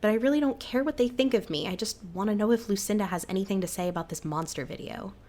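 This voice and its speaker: A woman's voice: mid-range voice, fast talker, warm tone, close to an everyday voice. A woman playing a cautious, resigned cryptid with a hesitant, downbeat way of talking in a naturalistic audio drama. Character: Sybil, cautious, resigned female cryptid in a small town.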